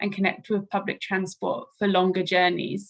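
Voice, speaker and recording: A woman with a British accent talks at a medium pitch. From Britain. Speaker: researcher. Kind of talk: panel talk. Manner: fast.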